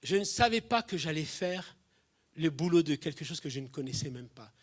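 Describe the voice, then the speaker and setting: The speaker is a man with a slightly high voice talking at normal speed while preaching. He tells humorous stories to the congregation, mimicking the voices of people he quotes, with an animated manner and sudden bursts of volume.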